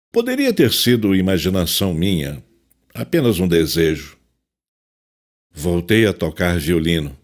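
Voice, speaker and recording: A haunted, ageing male psychiatrist played by an actor tells his story in a radio play. His voice is low, and he speaks introspectively, with wistful reflection. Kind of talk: radio drama first-person narration.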